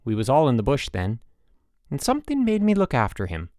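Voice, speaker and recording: A man's voice: mid-range voice, huge pitch swings, brisk, a little mellow, dry recording. A proud old country woman in a storybook, acted out by a male narrator, chatty and stubborn. She rambles in folksy, emphatic sentences, in a very dry recording. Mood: resigned, stubborn. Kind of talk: audiobook character dialogue.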